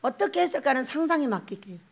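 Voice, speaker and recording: A woman's voice: sits high, very fast, vocal fry. A woman pastor, preaching a sermon and acting out the voices she quotes. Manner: animated, acts out quoted voices, laughs often.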